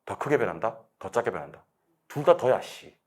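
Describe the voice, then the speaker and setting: A man lecturing a real estate exam class, drilling students with quick questions and answering them himself. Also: mid-range voice, very animated, darkish tone, slight background noise. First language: Korean.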